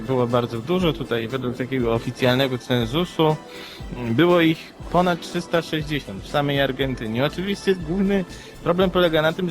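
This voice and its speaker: Analytical man with a mid-pitched voice. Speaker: podcast co-host, commentator. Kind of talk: explanatory conversational commentary.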